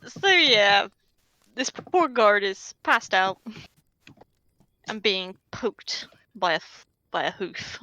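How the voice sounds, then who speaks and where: A woman's voice: mid-range voice, very animated, takes it slowly, pauses often, sharp tone, dull audio. A woman narrating a tabletop game as game master, hesitant with many fillers.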